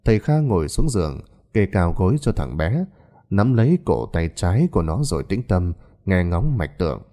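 A man narrating a horror story in a dramatic, expressive scripted style. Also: low voice, moderate pace.

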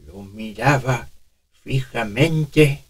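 A man voicing a very old, frail storyteller, very slow and halting, short of breath, with a tremble and whistling false teeth. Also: medium pitch, slightly rough. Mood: weary, frail.

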